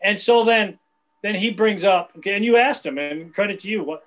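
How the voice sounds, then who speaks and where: A man's voice: sits high, brisk, a bit bright. A man in his fifties, a guest on a sports talk show, talking bluntly and boastfully in heated casual chat. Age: 50s.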